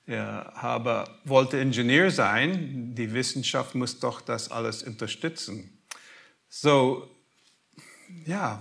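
Halting American man speaking slowly. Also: medium pitch, pushed and bright. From grew up in the USA. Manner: halting, searching for words, slipping into English. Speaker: guest speaker. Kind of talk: personal faith testimony.

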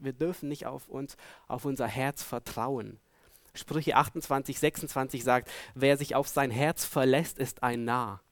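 A man preaching a sermon, earnestly putting searching questions to his listeners and moving between loud emphasis and hushed tones. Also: medium pitch, no room sound, clean studio sound.

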